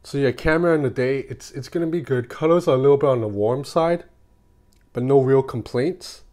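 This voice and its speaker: A man's voice: mid-range voice, fairly quick, mellow. Casual man reviewing a gadget. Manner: conversational, informal. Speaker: tech reviewer. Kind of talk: casual hands-on phone review.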